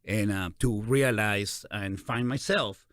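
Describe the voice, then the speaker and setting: A man in his forties with a Peruvian Spanish accent, hosting a casual interview in an animated, encouraging way. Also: on the low side, slow, no echo, studio quality. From Peru. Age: 40s. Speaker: interview host.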